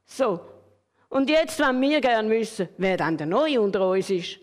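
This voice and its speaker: A woman's voice: medium pitch, lively intonation, a little slow, natural voice. Woman doing a know-it-all black pen. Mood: sober. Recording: long hall reverb.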